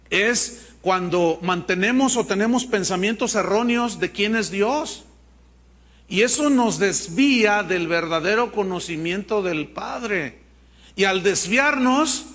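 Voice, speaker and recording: High-voiced male pastor preaching. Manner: animated storytelling, acts out dialogue in quoted voices. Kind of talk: sermon.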